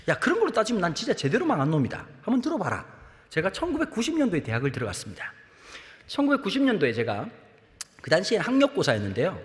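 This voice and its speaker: Fast, animated male pastor preaching. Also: on the high side. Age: 50s. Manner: humorous, animated storytelling. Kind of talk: sermon. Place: church sanctuary. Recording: long church-hall reverb.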